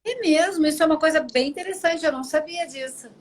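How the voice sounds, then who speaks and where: Fast-talking and high-voiced, a Brazilian woman in her 40s hosts a live video chat over a video call. She shares personal stories with emotion, warm and chatty, in a Brazilian Portuguese accent.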